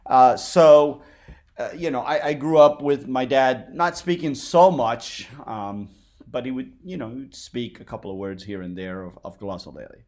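A man from Egypt, a guest on a podcast, telling his life story in a relaxed way with hesitant fillers. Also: mid-range voice, moderate pace. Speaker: interview guest. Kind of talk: interview, personal story.

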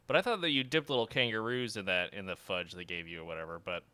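A man's voice: lowish voice, quick pace, pushed and bright, smooth, no room sound. A man hosting a podcast in casual, jokey chat, laughing often. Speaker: podcast host.

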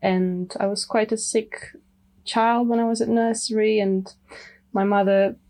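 A woman from Romania, a medical herbalist guest speaking softly and thoughtfully in a podcast interview. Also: mid-range voice, level tone, a little slow. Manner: soft-spoken, thoughtful, many you knows. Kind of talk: casual interview.

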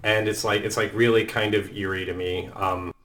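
A man's voice: fairly low pitch, flat delivery, moderate pace, a bit bright. A man whose first language is Norwegian, a game developer guest on a casual podcast, talking freely and saying "like" a lot. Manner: chatty, peppered with "like". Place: Texas.

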